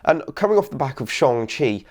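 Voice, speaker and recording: A young man with a slightly raspy voice from a cold, casually reviewing a film and rambling with lots of fillers. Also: medium pitch, very animated, moderate pace. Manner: rambling, many ums and sort ofs.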